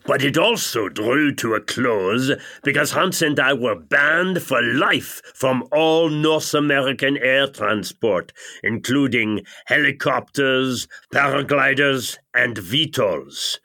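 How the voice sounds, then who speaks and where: A man's voice: mid-range voice, slow pace, few pauses, pushed and bright. A man playing a pompous, disdainful European intellectual who narrates a comic retrospective in scornful, wordy style. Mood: lofty disdain. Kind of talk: scripted mock-retrospective narration.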